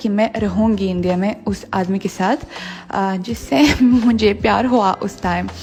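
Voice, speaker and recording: A woman's medium-pitched voice with a Russian accent. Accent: Russian accent in Hindi. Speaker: vlogger. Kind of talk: casual vlog talk. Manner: halting, many filler sounds.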